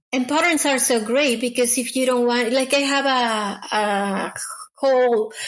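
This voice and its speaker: High-pitched woman at a fairly slow pace, with ordinary pitch variation. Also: very even loudness. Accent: Mexican. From Mexico (Mexico City, Tijuana). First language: Spanish. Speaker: fashion designer. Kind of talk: interview. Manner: halting.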